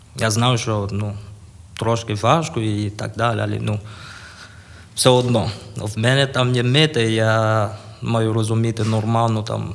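A man with a Burkinabe accent speaks at a fairly slow pace in a medium-pitched voice, his intonation fairly even and broken by long, frequent pauses. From Burkina Faso. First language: Mooré (speaking Ukrainian). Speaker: student video blogger. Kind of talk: interview. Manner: halting.

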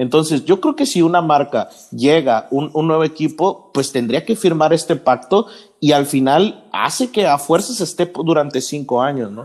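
A man with a normal speaking voice and a fairly high pitch, at a moderate pace with ordinary pitch variation. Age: 20s. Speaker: motorsport podcast host. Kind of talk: casual chat. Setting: studio.

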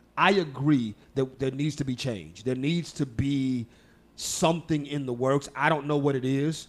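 An animated man with a fairly high pitch and an American accent, at a fairly slow pace. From Texas. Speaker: podcast host. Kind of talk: casual chat. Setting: live stream.

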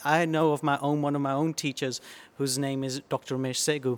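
With a British accent, a man speaks at a fairly quick pace. His voice sits at a fairly high pitch. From UK. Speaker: conference speaker and trainer. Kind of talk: casual interview chat.

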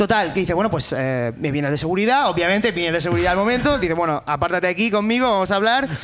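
A man rattles along at a very fast pace in a high pitch, with lively intonation. His loudness stays very even over noticeable background noise. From Catalonia, Spain (Badalona). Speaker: comedian. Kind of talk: storytelling.

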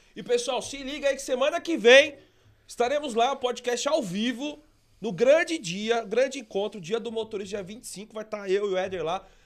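Pitched extremely high, a man talks at a moderate pace with lively intonation and big swings in loudness. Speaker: podcast host, rideshare driver. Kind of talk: casual chat.

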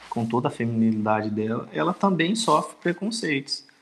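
A man talks with very wide swings in pitch while music plays behind him. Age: 30s. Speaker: gamer. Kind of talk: casual chat.

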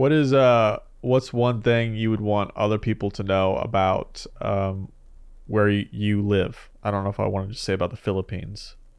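At a moderate pace, an unremarkable speaking voice carries fairly even intonation against a quiet background. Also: man, fairly low pitch for a man. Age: 30s. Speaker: podcast host. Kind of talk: casual chat. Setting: studio.

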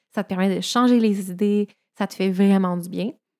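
Speaking with a Quebec accent, a woman talks at a medium pitch and a fairly slow pace. The very clean recording has a silent background and a dry, close sound with no echo. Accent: Québécois French. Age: 30s. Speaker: podcast host, yoga teacher. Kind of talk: solo podcast talk. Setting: home office.

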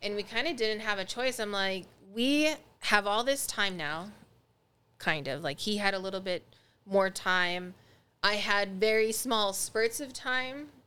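A woman's bright, sharp tone at medium pitch, with an American accent, lively intonation and a fairly slow pace, in a very clean recording against a silent background. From Reno, Nevada. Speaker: podcast co-host, studio owner. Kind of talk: casual chat. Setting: studio.

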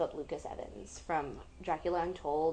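A woman speaks in a normal speaking voice with an American accent. Her intonation stays fairly even. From United States. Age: 20s. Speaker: book podcast co-host. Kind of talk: casual chat. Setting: livestream.

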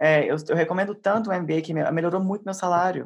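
At a moderate pace, a woman uses an ordinary speaking voice with a fairly low pitch and fairly even intonation. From Brazil, Minas Gerais (Uberlândia). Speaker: tech program manager. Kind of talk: interview.

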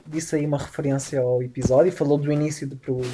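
Noticeable background noise sits behind the voice. The delivery moves at a fairly quick pace. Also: man. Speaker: podcast co-host. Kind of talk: casual chat.

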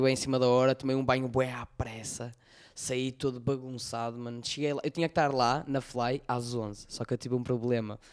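On a very clean recording with a silent background, a man talks at a moderate pace and medium pitch. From northern Portugal. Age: 20s. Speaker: comedian. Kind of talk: casual chat.

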